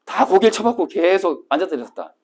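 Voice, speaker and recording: Man, cram school teacher, classroom lecture, swinging lively pitch, storyteller's delivery. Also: fast talker. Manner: lively storytelling, acting out scenes with sudden shouts. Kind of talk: classroom lecture to exam retakers.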